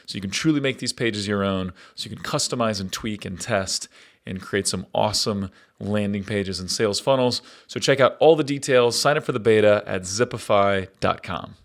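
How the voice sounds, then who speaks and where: A man hosting a podcast in a casual, upbeat way, his voice a bit raspy from days of talking at a conference. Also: on the low side, fairly bright tone. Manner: upbeat, conversational, with frequent fillers. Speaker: podcast host. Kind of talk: casual podcast chat with read ad. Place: on location at a conference.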